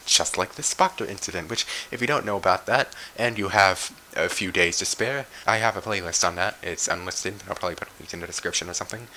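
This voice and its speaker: Low raspy man rambling casually. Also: sharp tone, a little hiss or hum, rough recording. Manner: rambling, swears freely, trails off with fillers. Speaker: commentary YouTuber. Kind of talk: casual unscripted commentary.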